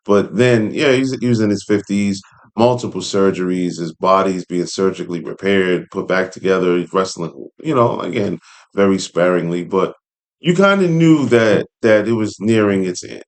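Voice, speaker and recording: Low-pitched man hosting a commentary. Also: normal speed. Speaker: host reading an article aloud with commentary. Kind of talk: casual commentary with read-along asides.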